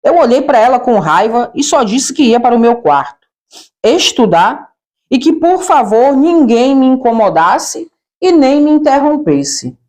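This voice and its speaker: Expressive Brazilian woman narrating a testimony. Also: high-pitched, measured pace. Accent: Brazilian Portuguese. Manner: expressive, addresses listeners as brethren.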